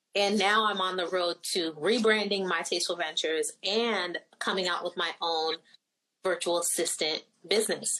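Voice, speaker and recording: Woman at medium pitch, bright, sharp tone and fairly even intonation. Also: moderate pace. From Florida, US. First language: Haitian Creole. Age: 20s. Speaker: food and travel blogger. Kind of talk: casual interview chat.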